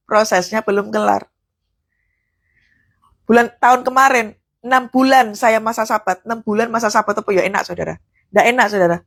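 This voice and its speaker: Fervent husky woman preaching. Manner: fervent, swings from low teaching tone to loud prayer. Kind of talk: sermon.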